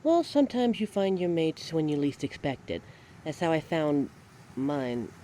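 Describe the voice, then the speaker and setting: A man's voice: on the high side, sing-song, unhurried, dark tone, a little hiss or hum. A man voicing a guarded, blunt werewolf in a scripted audio drama. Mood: subdued. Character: guarded werewolf searching for a stolen mate.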